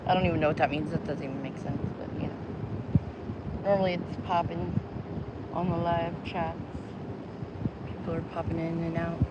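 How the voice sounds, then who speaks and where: On a beach live stream, this New Mexico woman greets her viewers and wanders off-topic between tarot readings, chatty and bubbly with easy laughter. Her voice sits on the low side with a level tone, a moderate pace and long pauses. Captured outdoors on a phone, the audio has its highs cut off and is full of heavy wind and loud background noise.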